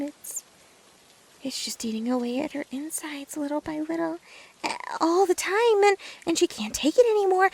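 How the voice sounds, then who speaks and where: Woman playing a lovesick yandere young woman, high voice, swooping intonation, halting, stammering, obsessive, defensive, ASMR roleplay. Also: poor audio. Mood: desperate longing.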